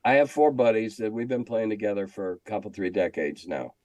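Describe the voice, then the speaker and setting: A man's voice: on the low side, fairly quick, mellow, no room sound. An older man reminiscing casually in an interview, speaking emphatically and repeating phrases to make his point. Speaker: game designer and magazine editor guest.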